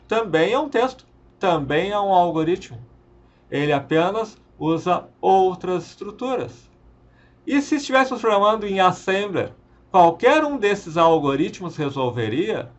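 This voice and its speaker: A man teaching programming in an explanatory lecture, posing rhetorical questions and explaining step by step in an earnest way. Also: fairly high pitch. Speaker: programming instructor. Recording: dull lo-fi recording.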